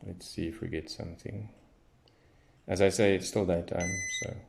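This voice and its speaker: A man's voice: sits low, fairly even intonation, normal speed, vocal fry, darkish tone. A man giving casual hands-on commentary as a radio hobbyist, thinking aloud as he tests. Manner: unscripted, thinking aloud while testing.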